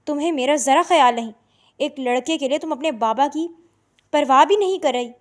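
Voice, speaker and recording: A woman's voice: high-pitched, close to an everyday voice. A woman voicing a stern, anguished middle-aged father who turns harsh and sarcastic in an audio story. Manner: pleading then harsh, sarcastic.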